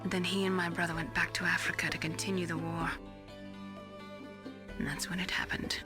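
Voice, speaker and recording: A woman voicing a wounded, bitter scientist in a video game, baring her past in a halting, emotional and intense way. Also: lowish voice, level tone, lightly acted. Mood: bitter, grieving. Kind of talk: dramatic video game voice acting. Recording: dramatic music behind the voice.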